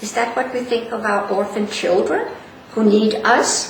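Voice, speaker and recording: In a room with audible echo and noticeable background noise, a woman speaks at a fairly slow pace with a fairly high pitch. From Poland. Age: 80s+. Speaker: Holocaust survivor. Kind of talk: interview.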